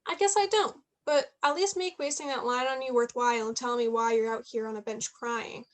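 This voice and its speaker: A woman's voice: a little high, steady tone, fairly quick, lightly acted. A woman playing a playful, persistent eighteen-year-old journalism student in a play reading, chatty and probing. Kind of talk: staged reading of a play, naturalistic dialogue.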